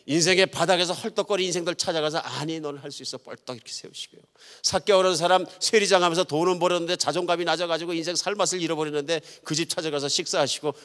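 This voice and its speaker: A man preaching a sermon to his congregation, emphatic, swinging from loud to hushed and joking with the listeners. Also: fairly high pitch, in a large hall. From Chungcheong Province, Korea. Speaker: pastor. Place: church sanctuary.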